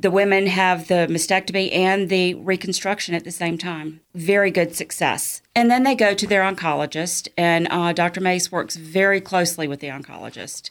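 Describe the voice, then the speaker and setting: A woman talks at a medium pitch in a normal speaking voice. She leaves hardly any pauses. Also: fairly even intonation, moderate pace. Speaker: surgical practice manager. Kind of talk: interview.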